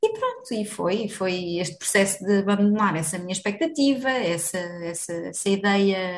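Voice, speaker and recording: A somewhat breathy woman's voice at medium pitch, moderate pace and ordinary pitch variation, with hardly any pauses. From Portugal, Coimbra. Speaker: stepmother sharing her experience. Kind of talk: interview conversation.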